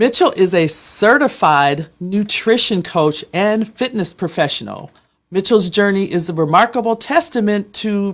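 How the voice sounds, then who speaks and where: A woman's medium-pitched voice in an American accent, with lively intonation, a fairly slow pace, and hardly any pauses. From US Midwest. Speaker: sports talk show host and coach. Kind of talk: live interview show.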